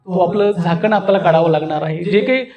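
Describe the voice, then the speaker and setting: A man's voice: sits high, quick pace, lo-fi sound, a crowd in the background. A man leading a stage-speaking workshop, emphatic and often putting questions to his listeners. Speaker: workshop trainer, anchor and voice artist. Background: audience of students.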